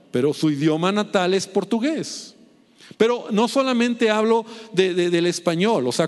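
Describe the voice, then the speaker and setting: A man's voice: sits high, in a large hall. A middle-aged man preaching a sermon, chatting with the congregation and checking in with constant tag questions.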